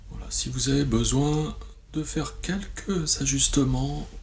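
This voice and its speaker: Slow-paced man guiding relaxation. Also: mid-range voice, vocal fry, a little hiss or hum. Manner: soothing, measured, with long pauses. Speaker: yoga nidra teacher. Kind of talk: guided relaxation meditation.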